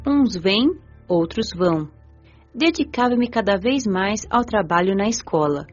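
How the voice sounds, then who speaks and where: A woman narrating an audiobook in the first person, telling the story gently. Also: medium pitch, animated, measured pace, muffled recording, soft background music.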